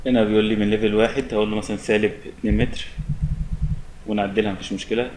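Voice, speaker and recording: A young man with an Egyptian Arabic accent giving a relaxed, step-by-step software tutorial at his desk. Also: fairly low pitch, very fast, a little hiss or hum, low-quality recording. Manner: relaxed, step-by-step explaining with many fillers. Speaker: software instructor. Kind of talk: screen-recorded software tutorial.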